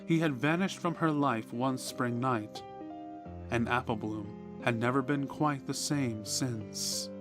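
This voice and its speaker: A man reading a scripted horror story in a measured, deliberate way, with dramatic pauses. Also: medium pitch. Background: background music.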